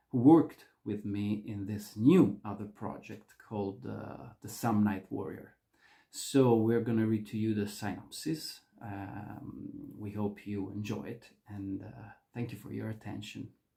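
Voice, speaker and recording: A man with an Italian accent talks at a fairly slow pace in a fairly low, somewhat breathy voice with a dark, mellow tone. His pitch variation is ordinary, while his loudness swings widely. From Italy, Rome. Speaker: actor and film director. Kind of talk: self-introduction. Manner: halting.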